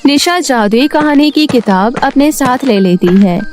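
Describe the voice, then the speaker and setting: A woman narrating a storybook cartoon in a clear, steady storytelling voice. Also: high voice, measured pace, soft background music.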